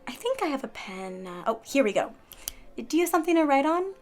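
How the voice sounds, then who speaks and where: Podcast drama: actress as gracious water nymph photographer, higher female voice, polite and gushing, over faint music. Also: sing-song, fairly quick, darkish tone. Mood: pleased, friendly. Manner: polite, effusive, apologetic. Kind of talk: fiction podcast acting.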